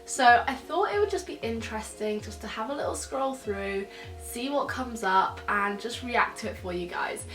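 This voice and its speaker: Croaky-voiced young woman with a cold. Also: on the high side, animated, normal speed, recorded from a distance. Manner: chatty and explanatory, many fillers like "so" and "yeah". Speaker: nutrition student reacting to videos. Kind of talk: casual chat to camera. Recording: echoey room, voice a bit off-mic, soft music behind.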